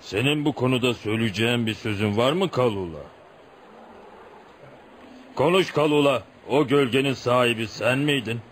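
An actor playing an unbending, pompous tribal judge, formal and declamatory in a Turkish radio play. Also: male voice, medium pitch, normal speed, long pauses, slight background noise, lightly acted. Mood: stern, authoritative. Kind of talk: Turkish radio theatre acting.

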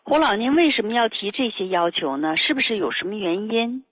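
A woman hosting a radio health show, reading smooth scripted promo lines. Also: mid-range voice, lively intonation, a little fast, dry recording. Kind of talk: scripted host segments. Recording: tinny broadcast sound.

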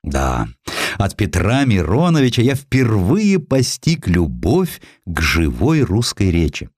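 A man playing an elderly, venerable editor looks back in an audiobook drama. The voice is low and swings widely, savoring each florid phrase with wry self-mockery. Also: huge pitch swings, takes it slowly, a little mellow, no echo, clean studio sound, exaggerated voice. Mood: fond. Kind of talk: dramatized audiobook character quotes.

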